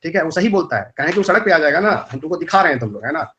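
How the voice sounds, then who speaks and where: A man's voice: fairly high pitch, big pitch swings, sharp tone, lo-fi sound, a little hiss or hum. A man with a rural north Indian Hindi accent, teaching a live online exam-prep lecture, firing rhetorical questions and scolding his students. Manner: rapid colloquial Hindi mixed with English terms.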